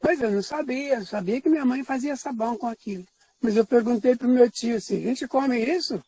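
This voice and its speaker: An older man from Brazil telling a personal life story in an unhurried way, pausing and restarting often. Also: very high-pitched, dark tone, husky. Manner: unhurried, with frequent pauses and restarts. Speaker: interviewee giving a life testimony.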